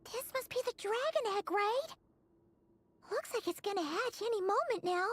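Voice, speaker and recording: Chirpy little game fairy; very high and squeaky, lively inflection. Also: female voice, normal speed, no echo. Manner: excited, inquisitive. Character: tiny floating female fairy companion, chirpy and curious. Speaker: game character.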